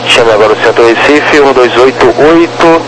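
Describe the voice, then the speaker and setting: A man's voice: medium pitch, normal speed. A Brazilian man working as an air traffic controller, giving clipped, police-radio-style instructions over a two-way radio. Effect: two-way radio transmission. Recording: noisy radio channel with hum.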